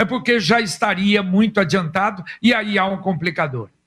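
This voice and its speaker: Lively intonation marks the speech of a man with a high pitch. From Brazil, São Paulo. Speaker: radio host. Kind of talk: radio talk show interview. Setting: radio studio.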